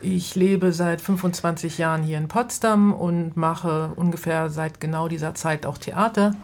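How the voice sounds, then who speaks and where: A woman's voice: lowish voice, steady tone, normal speed, a little mellow. A woman who makes theatre, a guest in a radio interview, explaining her work fluently.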